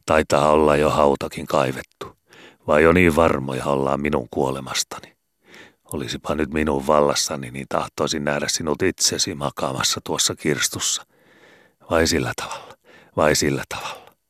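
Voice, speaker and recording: A man doing a gruff, domineering old father. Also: rumbling low, steady tone, a bit bright, no echo, clean studio sound. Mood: sarcastic. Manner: barking, commanding, sarcastic. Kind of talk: audiobook character voice.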